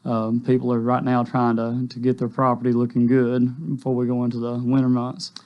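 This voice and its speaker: A man's voice: medium pitch, completely flat delivery, fairly quick, dull audio. A man, a rental store guest on a radio interview, answering politely and eagerly. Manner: polite, eager, says "yes, sir".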